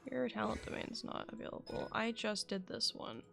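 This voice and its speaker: A woman's voice: a little high, fairly even intonation, moderate pace, vocal fry. A young woman giving casual, rambling commentary as she live-streams a game, thinking aloud over game music.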